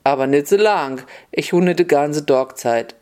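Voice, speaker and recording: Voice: mid-range voice, normal speed, a little mellow, close to an everyday voice. A storyteller voicing a defiant young girl in a snow-white dress, speaking in with a cheeky, matter-of-fact manner. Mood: pert.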